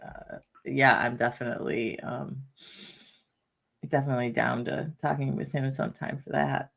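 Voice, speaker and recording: A woman's voice: rumbling low, steady tone, moderate pace, creaky, a bit bright. A woman who runs a legal commentary channel, chatting casually on a livestream, laughing easily and filling her speech with "like" and "um". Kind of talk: casual live chat.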